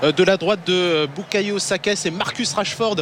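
A man with a high, raised voice calls every move of the match, stumbling over fillers as the action runs on. there is a clear wash of noise behind him. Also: normal speed. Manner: excited, many fillers. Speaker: play-by-play commentator. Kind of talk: live match commentary.

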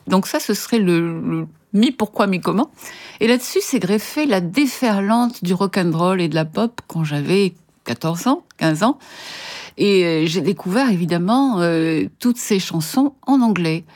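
A woman with a lowish voice answers an interview as a literary translator. She tells her stories in an articulate, lively way, pausing now and then to find her words. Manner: articulate, lively storytelling with hesitations.

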